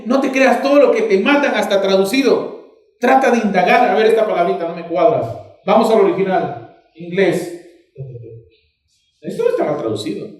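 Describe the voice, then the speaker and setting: High-voiced Peruvian preacher in echoey church. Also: male voice. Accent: Peruvian Spanish. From Peru. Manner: animated, acts out dialogues with shifting voices. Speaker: pastor. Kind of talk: sermon. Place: church sanctuary.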